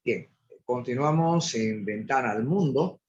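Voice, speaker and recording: A man's voice: mid-range voice, lively intonation, unhurried, darkish tone, highs cut off. A male host introducing and interviewing a guest in a formal, courteous way, with some fillers. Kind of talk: broadcast interview hosting.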